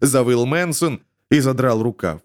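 A man's voice: mid-range voice, expressive, a little slow. A man narrating a fantasy story as an audiobook.

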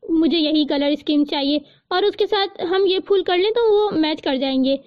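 A woman's voice: extremely high pitch, dry recording, lo-fi sound. A woman voicing a chatty young woman student who speaks in an eager way.

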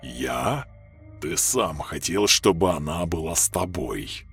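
A scheming parasite whispering mockery into a young man's mind, as a male narrator puts it on. The voice drops deep below his own, husky and coarse, in a storybook telling. Faint music hums behind. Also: lively intonation, takes it slowly, fairly bright tone, heavily acted. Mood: defensive. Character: sneering parasite voice inside a young man's head.

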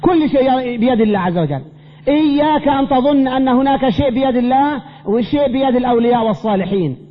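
A very high-pitched man teaches a religious class, firing questions at his students and repeating them until someone answers. His preaching leans on emphatic repeated phrases. The recording is dull and lo-fi, with a long hall reverb and a faint hum. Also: animated, quick pace. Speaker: sheikh teaching a creed class.

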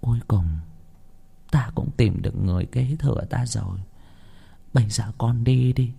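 A man's voice: mid-range voice, moderate pace, vocal fry, mellow, slightly rough. A man voicing a frail, hunched old grandmother who pleads and then shrieks in fury, in a ghost-story reading. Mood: grave urgent.

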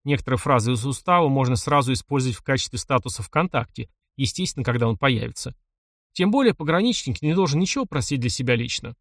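A man narrates a first-person novel with a wry, ironic touch. His voice sits at an ordinary pitch for a man. The recording is dry and close, with no room sound. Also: lively intonation, fast, fairly bright tone, no room sound. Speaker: audiobook narrator.

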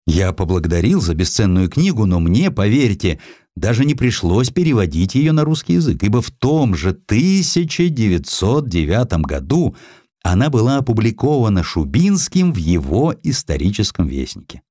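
A man reading historical essays as an audiobook narrator, in an expressive scripted storytelling style. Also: lowish voice, normal speed, dry recording, studio quality. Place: dry recording studio.

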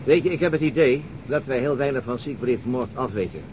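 A calm, reserved city detective, voiced by a man speaks in a level middle register and keeps his replies short. A steady hiss of noise runs clearly under him. It is a radio play. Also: medium pitch, fairly quick, dull audio, close to an everyday voice. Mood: thoughtful. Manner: reserved, brief replies, thoughtful. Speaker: visiting police detective. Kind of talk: radio drama acting.

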